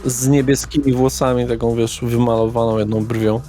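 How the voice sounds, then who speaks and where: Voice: mid-range voice, flat delivery, moderate pace, warm tone. A game master narrating a tabletop role-playing session in a casual, colloquial way. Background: music.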